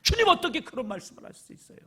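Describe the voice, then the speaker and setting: A man preaching, acting out an impulsive, eager male disciple with excited, pleading outbursts. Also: very high-pitched, fairly quick, vocal fry, pitched above the performer's own voice, heavily acted. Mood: protesting.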